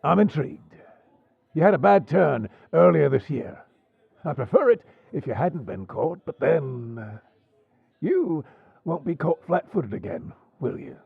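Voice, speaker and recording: Pirate overlord: husky and gravelly, wildly expressive melody, shrewd, genial, theatrical, swashbuckling audio drama. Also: male voice, on the high side, dry recording, narrow, tinny audio, heavily acted. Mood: probing, measured. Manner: deliberate, insinuating, theatrical, formal phrasing. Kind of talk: swashbuckling audio roleplay acting.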